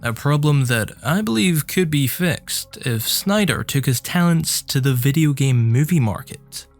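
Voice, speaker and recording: A man's voice: fairly high pitch, lively intonation, unhurried, soft background music. A man delivering scripted commentary as the narrator of a video essay.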